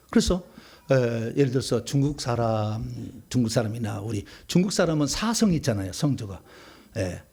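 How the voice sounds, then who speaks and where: Husky-voiced Korean pastor, lively and high. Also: male voice. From South Korea. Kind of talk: charismatic prayer meeting teaching.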